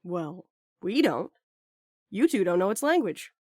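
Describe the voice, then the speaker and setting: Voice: medium pitch, big pitch swings, unhurried, no echo, clean studio sound. A performer playing a sardonic, stubborn young postmaster who deflects with casual jokes in an audio drama. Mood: stubborn, wry. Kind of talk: naturalistic audio drama acting.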